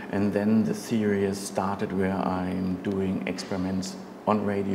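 Speaking in a German accent at a fairly slow pace, the voice has a monotone, flat intonation. Background noise is noticeable. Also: man. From Germany. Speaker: radio host. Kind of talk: interview. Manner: halting. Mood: earnest, enthusiastic. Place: home room. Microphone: lapel.

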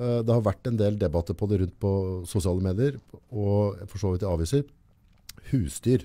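A man with a dark, mellow tone speaks at a fairly low pitch with ordinary pitch variation over a quiet background. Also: moderate pace. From Norway. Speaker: podcast host. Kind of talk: casual interview. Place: studio. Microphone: studio mic.

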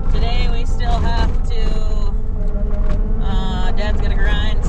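A very slow pace under loud background noise, the sound dry with no echo. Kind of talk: casual vlog chat. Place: farm machine. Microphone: phone near.

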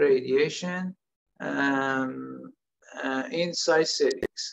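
The speaker talks at a very slow pace with a Persian accent. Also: man. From Iran. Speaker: radiation oncologist; presenter. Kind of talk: panel discussion. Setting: video call.

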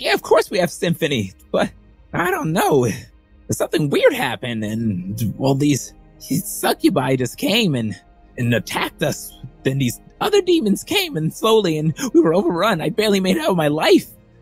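Using a put-on character voice, a man speaks fairly high at a moderate pace. Faint music plays in the background. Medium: actual play. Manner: prickly, defensive, confrontational; gruff and dismissive.

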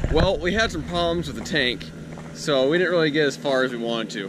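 With audible room echo around him, a man speaks with lively intonation.

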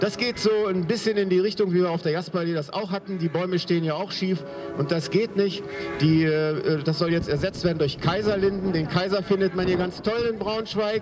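A man speaks in a high pitch with fairly even intonation at a moderate pace. Clear music plays in the background. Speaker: speaker. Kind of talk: protest speech. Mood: indignant, critical. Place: street.

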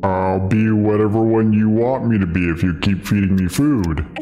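A man's put-on character voice, fairly low in pitch, at a moderate pace and very even in loudness. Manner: playful, bargaining for food.

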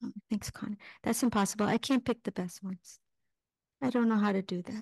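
Somewhat breathy, a woman speaks at a fairly quick pace against a quiet background. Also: fairly even intonation, dry sound with no echo. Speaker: dharma talk teacher. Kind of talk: dharma talk. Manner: soft-spoken at times; halting.

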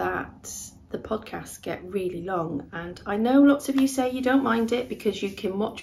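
Light background noise accompanies a woman talking at a fairly slow pace. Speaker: craft podcast host. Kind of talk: casual vlog chat. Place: home room. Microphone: camera far.

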